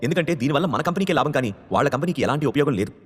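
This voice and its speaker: A man's voice: on the high side, animated, rapid-fire, long reverb tail, slight background noise, natural voice. A man voicing a proud, angry young woman from a wealthy family who answers sharply and dismissively.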